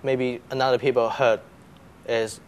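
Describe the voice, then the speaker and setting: A man's voice: mid-range voice, level tone, measured pace. Chatty young man, slight noise. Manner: chatty, laughs, uses fillers. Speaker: student guest. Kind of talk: casual interview answers. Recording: faint background noise.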